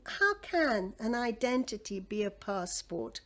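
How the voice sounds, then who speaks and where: Woman from egypt reading her own poem out loud, fairly high voice, big dramatic swings. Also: sing-song, slow pace, a little hiss or hum. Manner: dramatic recital with big swings in pitch and loudness.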